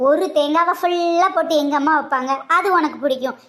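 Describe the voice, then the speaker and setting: A high-pitched, cheeky teenage girl in a cartoon, full of teasing banter, as a woman voices her. She jokes quickly at her friends' expense. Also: fairly bright tone. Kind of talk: cartoon voice acting.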